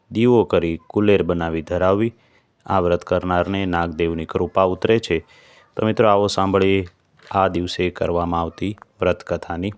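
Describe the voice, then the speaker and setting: A man narrating a devotional fasting story in a calm, steady manner. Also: low-pitched, clear, resonant tone.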